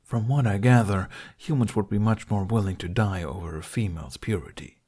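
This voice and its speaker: A man's voice: on the low side, brisk, warm tone, slightly rough. A man voicing a sardonic, bossy male black dragon in an audiobook, with dry, blunt retorts. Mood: bemused.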